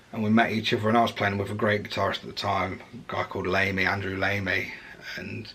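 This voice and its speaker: The speaker is a man with a fairly low pitch. He moves at a fairly quick pace. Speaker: drummer and video creator. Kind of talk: casual Q and A vlog. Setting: recording alone to camera. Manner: fast.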